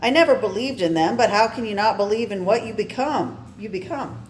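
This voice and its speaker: A woman's voice: mid-range voice, expressive, brisk, a little hiss or hum, pitched above the performer's own voice, close to an everyday voice. A woman voicing a flustered male chemistry professor from a comic book, exclaiming in alarm. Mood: bewildered.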